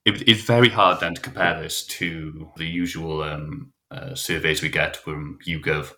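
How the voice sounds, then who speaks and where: Male researcher, very low voice with a bright, forceful edge, thoughtful and halting. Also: fairly even intonation. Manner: thoughtful, with restarts and fillers. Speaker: researcher discussing his survey. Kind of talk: conversational interview.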